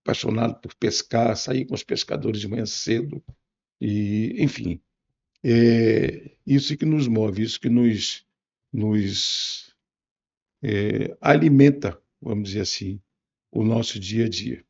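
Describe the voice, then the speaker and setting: A man in his seventies from Bahia, Brazil, with a Bahian accent, answering interview questions in a musing, unhurried way with restarts. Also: lowish voice, creaky, darkish tone, breathy edge, dull audio. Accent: Bahian Brazilian Portuguese. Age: 70s. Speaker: interview guest.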